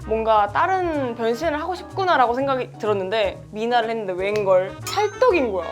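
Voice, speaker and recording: A young adult woman hosting a casual talk show, playful and quick to react. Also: on the high side, very animated. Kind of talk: casual chat. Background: background music.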